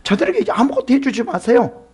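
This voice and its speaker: A man's voice: very high-pitched, sing-song, fast talker, darkish tone, slightly rough, voice pushed up, exaggerated voice. A man voicing Satan as a scheming accuser who urgently pleads with God. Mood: pleading.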